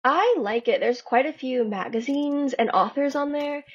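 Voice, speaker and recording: A woman speaking as a guest writer, in relaxed conversation or reading her fiction aloud. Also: sits high, normal speed. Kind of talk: story reading and casual interview talk. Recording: dull lo-fi recording.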